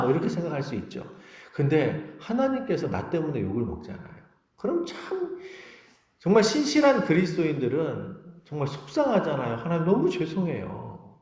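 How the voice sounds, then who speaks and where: Impassioned preacher man, lively pitch. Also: roomy sound. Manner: impassioned, speaks prayers aloud in first person. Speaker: pastor. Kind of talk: sermon.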